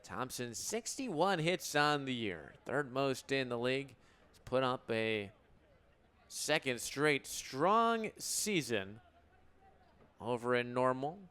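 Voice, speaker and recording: An American man in his twenties calling live baseball play-by-play for radio in a crisp, descriptive announcer delivery. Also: medium pitch, animated, slow, fairly bright tone. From Illinois, United States. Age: 20s.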